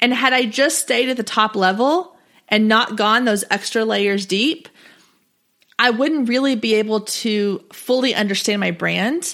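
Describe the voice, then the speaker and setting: At a fairly slow pace, a woman with a fairly high voice speaks with very even loudness and ordinary pitch variation. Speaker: podcast host and photography business owner. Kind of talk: solo business advice podcast. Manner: conversational.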